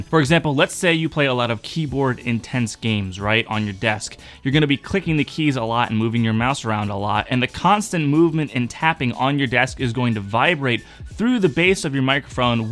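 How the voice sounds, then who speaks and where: A young man with a mid-range baritone hosts a streaming tech tutorial, explaining microphone setup tips in a steady, instructive, matter-of-fact way. He records at his home streaming desk on a dynamic mic mounted on a boom arm.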